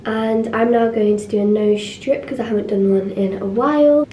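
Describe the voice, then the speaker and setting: A woman's voice: fairly high pitch, moderate pace, warm tone, a little hiss or hum. A young woman, chatting and giggling in a casual home vlog. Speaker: vlogger.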